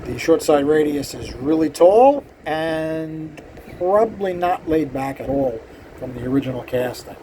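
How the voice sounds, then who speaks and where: Older guy rambling about cylinder heads in his shop, mellow voice kinda high, faint hum behind. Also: expressive, measured pace, low-quality recording. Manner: rambling, self-deprecating, many "uh" fillers. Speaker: cylinder head porter. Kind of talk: casual shop talk to camera.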